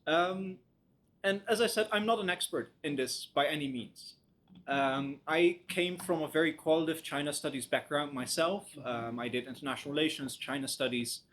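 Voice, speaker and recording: A young man giving a conversational guest lecture in a university room, wry and self-deprecating, pausing on frequent "um"s. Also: a little high, a bit bright.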